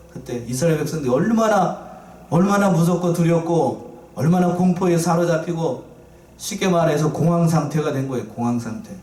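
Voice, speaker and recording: A man preaching a sermon as pastor, lively and playful, asking his congregation questions. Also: fairly high pitch. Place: church sanctuary. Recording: echoey church from far off.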